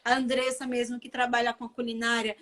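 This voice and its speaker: A woman's voice: on the high side, monotone, fast, a bit bright. A Brazilian woman with a Bahian accent, a chef chatting casually as a guest and repeating phrases for emphasis. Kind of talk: casual live conversation.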